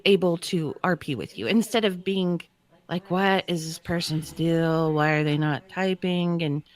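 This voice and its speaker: A woman's voice: on the low side, measured pace. A woman on a podcast panel, talking casually. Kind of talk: casual chat.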